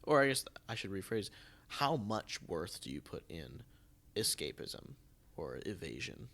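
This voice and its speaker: A man hosting a casual interview, speaking haltingly and often rephrasing his questions. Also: low-pitched, very animated, a bit bright. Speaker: podcast host, theatre producer.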